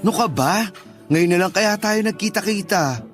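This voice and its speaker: A man's voice: high voice, expressive, normal speed. An actor playing a teasing, loyal young gay man in a Tagalog radio drama, with campy banter. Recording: music bed behind the voice.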